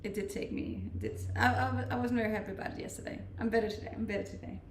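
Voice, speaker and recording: Fast and steady in tone, a fairly high-pitched Danish woman in her twenties live streams, chatting casually and reading viewer comments while laughing often and restarting sentences. The mic is distant, leaving her off-mic with roomy echo and faint noise.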